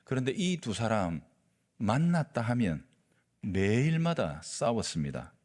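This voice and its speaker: A male pastor preaching a sermon, telling a story with lively delivery and acting out the quoted lines. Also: on the low side, unhurried. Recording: long reverb of a large hall.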